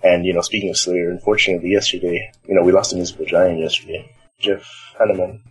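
A man's voice: low voice, flat delivery, quick pace, breathy edge, low-quality recording. A young man from the Los Angeles area, chatting casually and ramblingly as an interview guest. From Los Angeles area, California. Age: young adult. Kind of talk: casual chat. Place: library, nearly empty.

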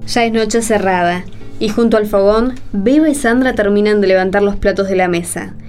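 A woman's voice: mid-range voice, normal speed, darkish tone. A woman with an Argentine accent delivering scripted narration as the narrator of a radio drama. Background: music.

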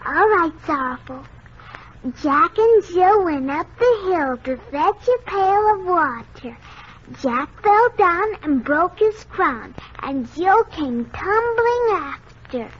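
A woman playing a small sweet little girl in a 1940s radio drama, talking slowly and earnestly. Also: very high voice, lively intonation, full character voice. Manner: slow, childlike, earnest. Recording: dull old radio broadcast.

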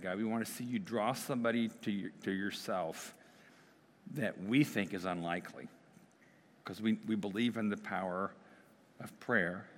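Conversational male pastor in reverberant hall. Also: sits low. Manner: conversational preaching with fillers and restarts. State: slightly losing his voice. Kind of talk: sermon with prayer. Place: church sanctuary. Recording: long reverb of a church hall.

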